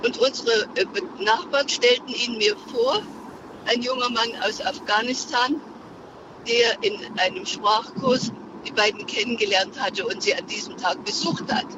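A woman's voice: on the high side, measured pace. An older woman calling a radio show from her car, telling a story earnestly with many hesitations. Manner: earnest, searching for words with many fillers. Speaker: caller. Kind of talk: phone-in storytelling. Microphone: phone. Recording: muffled phone line with car noise.

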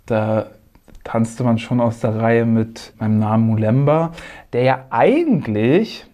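A man from eastern Germany talks thoughtfully in an interview excerpt. His voice is mellow and warm, at an ordinary pitch. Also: lively intonation, a little slow. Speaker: author interviewed.

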